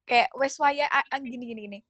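A woman's voice: high voice, brisk, dry recording. A woman from Java co-hosting a podcast, chatting casually and acting out quoted dialogue as she tells stories. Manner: animated storyteller, acts out quoted dialogue. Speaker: podcast co-host. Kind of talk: casual chat.

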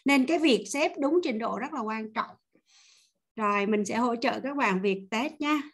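A woman's voice: fairly high pitch, moderate pace. A woman confidently explains how she will help test learners' levels on a video call. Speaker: volunteer tester. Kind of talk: casual talk on a video call.

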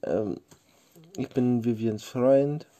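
A man's voice: medium pitch, slow, dark tone. A young man from Ukraine, a guest on a casual podcast, talking hesitantly with many fillers late at night from bed. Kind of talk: casual chat.

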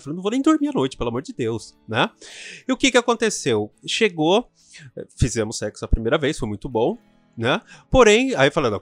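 A Brazilian man talks through his podcast in a loose, animated monologue, often checking in with the listener. His voice sits in an ordinary middle pitch. Faint music plays quietly behind him. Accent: Brazilian Portuguese. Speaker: sex coach and podcast host.

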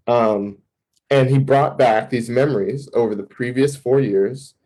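A man who serves as a campus minister, a podcast guest who tells a personal testimony in animated storytelling bursts, with fillers and restarts. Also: mid-range voice, a little slow, husky, low-quality recording. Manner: animated storytelling, acting out his own past thoughts.

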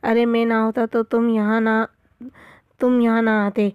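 A boastful, teasing jungle monkey, voiced by a woman reading a storybook aloud. The voice sits a little high and moves in a narrow, even band. The sound is dry and close. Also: smooth, dry recording, close to an everyday voice.

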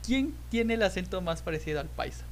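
A man's voice: sits high, brisk, slight background noise. Joking Mexican man hosting a podcast. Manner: joking, laughs often, bursts into loud excited exclamations. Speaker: podcast host. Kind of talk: casual chat.

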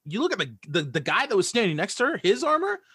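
A man chatting casually as an interview guest, speaking in an animated way and often stammering and restarting his phrases. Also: sits high, fast, breathy edge, no echo, studio quality. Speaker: audio drama creator and writer, interview guest.

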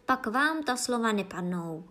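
A woman's voice: on the high side, animated, pushed and bright. Woman doing a pompous muttering King of Hearts. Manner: muttering, self-satisfied. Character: pompous fussy old king of a card court.

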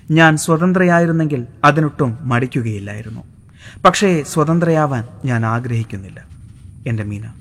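A man narrating a literary audiobook, reading a letter in a measured, heartfelt way. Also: medium pitch, a bit bright, slight background noise.

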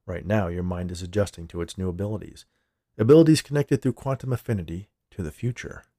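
A man's voice: low-pitched, fast, warm tone, dry recording, studio quality. A man voicing a powerful, smug corporate CEO with a commanding, coolly condescending manner in an audiobook-style story. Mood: smug, assured.

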